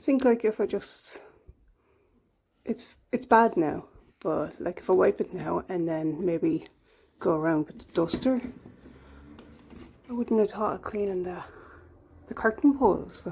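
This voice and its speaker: An Irish accent from a woman at a medium pitch, dark and mellow in tone, with lively intonation, big swings in loudness, a fairly slow pace and long, frequent pauses. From Ireland. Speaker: home vlogger. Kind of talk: casual vlog narration. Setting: at home. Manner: casual, chatty.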